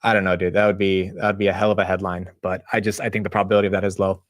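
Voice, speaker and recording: A man's voice: sits low, little pitch movement, racing, no echo, clean studio sound. A man from the United States hosting a market livestream, chatting casually in a loose, slangy way and talking to his viewers. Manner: loose, slangy, talks to chat. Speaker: livestream host.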